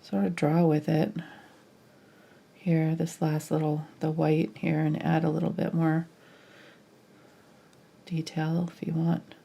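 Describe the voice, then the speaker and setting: A woman's voice: flat delivery, slow pace, pauses often, dark tone. A woman with a stuffed-up nose from a cold and audible breathing, giving casual live painting instruction in a murmured way that trails off. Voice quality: congested, stuffed nose, low husky voice. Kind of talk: casual live tutorial commentary.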